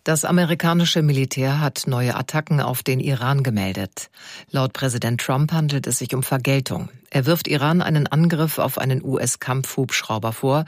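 A man's voice: medium pitch, dry recording. Formal male newsreader, dry studio. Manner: measured, formal. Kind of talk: reading news bulletin.

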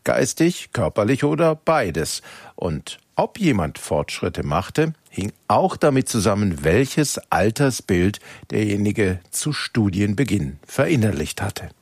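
A man presenting the news in a scripted, lively way from a studio. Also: on the low side, takes it slowly, husky, dry recording.

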